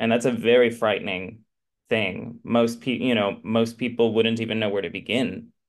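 A man with a normal speaking voice talks at a medium pitch. His pace is moderate, and the background is quiet. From United States. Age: 30s. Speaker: podcast host. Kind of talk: interview.

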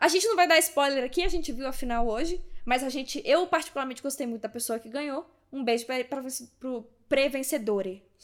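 A woman talks fairly quickly in a high pitch, her intonation lively and her loudness swinging widely. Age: 20s. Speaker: podcast host. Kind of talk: casual interview chat.

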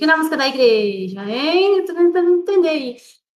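Her intonation lively, a woman talks at a very fast pace. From Maranhão, Brazil. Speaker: singer and artist. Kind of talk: casual chat.

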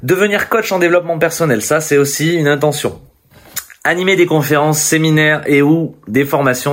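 Noticeable background noise sits behind a man's voice. He speaks at a moderate pace with a fairly high pitch. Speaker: YouTuber vlogging a personal challenge. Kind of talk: casual vlog talk to camera. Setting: outdoors in a forest.

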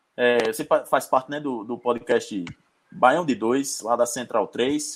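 The recording is very clean and the background silent. A man talks at a fairly slow pace. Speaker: podcast host, football commentator. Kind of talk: casual chat, live-streamed podcast.

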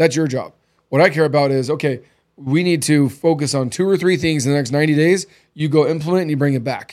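A man with an animated tone, fairly high in pitch with ordinary pitch variation, at a fairly quick pace, in a very clean recording with a silent background. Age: 30s. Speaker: podcast host and business coach. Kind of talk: casual interview chat.

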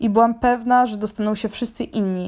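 A woman talks at a very fast pace in an animated tone and a fairly high pitch. The recording is very clean with a silent background. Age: 20s. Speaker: podcast host, university student. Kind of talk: casual personal monologue. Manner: animated, chatty.

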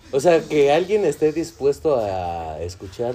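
With a Mexican accent, a man speaks at a fairly slow pace in a somewhat breathy voice, dark and mellow in tone, with very wide pitch swings. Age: 20s. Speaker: podcast co-host. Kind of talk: casual chat.

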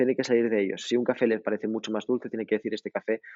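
A fairly low male voice in a monotone, flat intonation against a quiet background. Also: dry, close sound with no echo. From Barcelona, Spain (born in France to Moroccan parents). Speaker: coffee chain founder, architect. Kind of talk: interview. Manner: halting, many repetitions.

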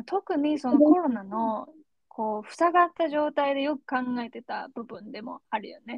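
A woman's high voice at a fairly slow pace, lively in intonation and with big swings in loudness. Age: 20s. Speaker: podcast co-host. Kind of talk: casual chat.

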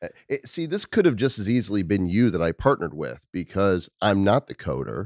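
Speaking at a fairly quick pace, a man with a fairly low pitch and vocal fry makes very wide pitch swings, in a dry, close sound with no echo on a very clean recording with a silent background. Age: 50s. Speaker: podcast host. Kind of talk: casual interview. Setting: guest's home office.

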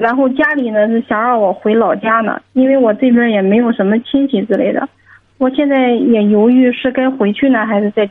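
A woman speaks at a moderate pace in a high pitch. Her pitch varies in an ordinary way. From Shanxi. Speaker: caller. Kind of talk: phone-in conversation.

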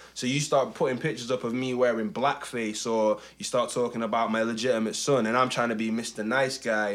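A man with a Nottingham accent talks fairly quickly with hardly any pauses, at medium pitch and with fairly even intonation. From Nottingham, England. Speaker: rapper. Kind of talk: casual chat. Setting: studio.

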